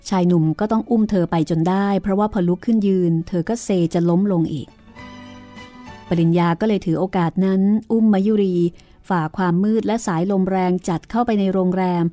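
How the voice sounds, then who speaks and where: A woman narrating a horror novel in a steady, measured podcast reading. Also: mid-range voice, soft background music. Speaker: storyteller host.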